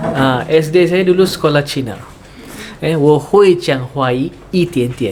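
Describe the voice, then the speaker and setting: With a Malaysian accent, a man speaks in a fairly high pitch with ordinary pitch variation over noticeable background noise. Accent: Malaysian Malay. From Malaysia, Kuala Lumpur. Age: 40s. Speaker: professor. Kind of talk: podcast interview. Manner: relaxed, casual.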